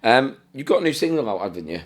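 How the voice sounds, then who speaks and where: A man's voice: mid-range voice, very animated, fast talker. A man hosting a podcast, asking questions in a friendly, matey, casual way. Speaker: podcast host. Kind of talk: casual interview chat.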